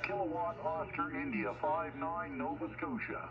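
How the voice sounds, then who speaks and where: Gravelly man over a noisy shortwave radio. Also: on the high side, flat delivery, normal speed, muffled recording. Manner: spells call signs in phonetic alphabet, clipped radio procedure. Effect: heard over a shortwave radio transceiver. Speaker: amateur radio operator. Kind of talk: call-sign radio exchange.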